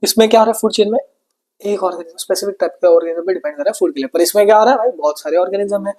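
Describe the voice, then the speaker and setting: A man's voice: high voice, very fast, dark tone. A man teaching a science lesson in a chatty, repetitive way, calling his students brother and mixing in English with an Indian accent. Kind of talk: online exam-prep lesson.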